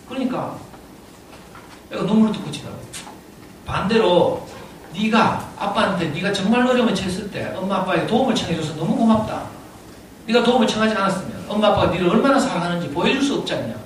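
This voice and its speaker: A middle-aged man with a Gyeongsang accent tells a personal story to an audience, animated and laughing often as he talks. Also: high-pitched. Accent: Gyeongsang (Daegu). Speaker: parent speaking at a parenting lecture. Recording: echoey hall, distant mic, audible room noise.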